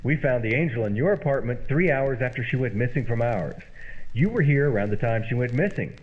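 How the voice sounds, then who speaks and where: A man playing an emphatic, declamatory amateur sleuth and pitchman in an old-time radio comedy. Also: animated, brisk, lo-fi sound, natural voice. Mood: insistent.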